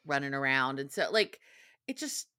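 A woman co-hosting a podcast in casual chat, telling stories in an animated, sweary way. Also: rumbling low, normal speed, clean tone. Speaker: podcast host.

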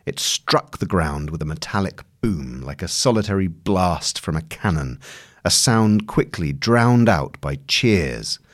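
A man with a low, deep voice narrates a long-form article. His delivery is measured and articulate, in a scripted journalistic style. The sound is dry, with no room around the voice. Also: no echo.

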